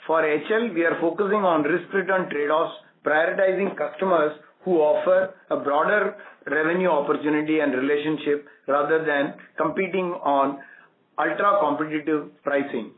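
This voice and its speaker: A man presents prepared bank results on a conference call, his Indian-accented voice pitched somewhat high. The reading is formal and steady in a corporate style, carried over a phone line that is tinny, roomy and crackling with static.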